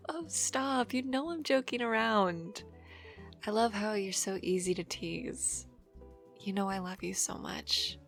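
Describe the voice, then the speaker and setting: A woman playing an affectionate, teasing working wife in an ASMR audio roleplay, chatty and expressive. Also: on the high side, takes it slowly, creaky, long pauses, soft background music, heavily acted. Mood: playful, loving.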